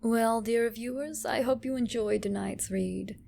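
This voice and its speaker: A woman reads classic horror with theatrical deliberation. Her voice is on the higher side, very unhurried, and marked by strong vocal fry. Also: warm tone. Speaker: storyteller, channel host. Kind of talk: dramatic scripted narration of horror.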